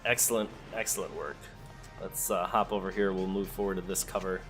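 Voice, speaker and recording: A man's voice: low voice, fairly even intonation, a little fast, a bit bright, soft background music. A man giving casual gameplay commentary, thinking aloud and talking to the characters as he plays. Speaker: let's play host. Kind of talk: casual gameplay commentary, sometimes reading game text aloud.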